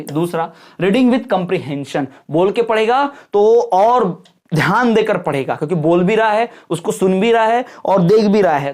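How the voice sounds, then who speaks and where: A young man teaching an exam-prep lesson, talking casually and teasing his students, and slowing down to dictate model answers. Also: high voice. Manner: chatty, scolding-friendly, addresses students as brother; slows down to dictate English answer lines.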